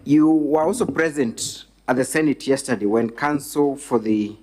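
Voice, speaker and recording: A man with a Kenyan accent questioning a witness as counsel, formal, courteous and deliberate, phrase by phrase. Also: medium pitch, fairly even intonation, darkish tone. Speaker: defence lawyer questioning a witness. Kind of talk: formal legal examination.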